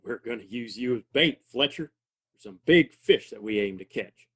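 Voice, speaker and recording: A man acting a gruff, stubborn saloon owner in a Western audio play, with a husky voice. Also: mid-range voice, animated, moderate pace. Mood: defiant.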